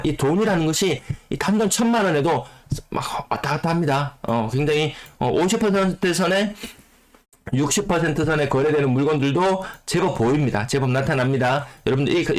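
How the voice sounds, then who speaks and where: A man whose voice is rough from a cold, explaining housing market figures and repeating key phrases for emphasis. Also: a little high. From South Korea. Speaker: real estate YouTuber. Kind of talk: data commentary on the housing market.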